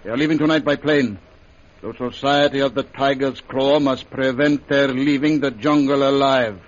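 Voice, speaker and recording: A man's voice: medium pitch, fairly even intonation, normal speed, close to an everyday voice. A man playing a sly, falsely polite villain. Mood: menacing. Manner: smooth, formal and falsely polite. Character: scheming Indian hunter, sinister secret society leader. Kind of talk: 1930s radio drama acting. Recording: dull old radio recording.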